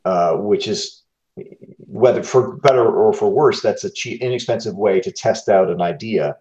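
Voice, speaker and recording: Low-voiced man, roomy muffled sound. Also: mellow. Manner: halting, thoughtful, repeats words while searching. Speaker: guest voice actor. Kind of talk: reflective interview conversation.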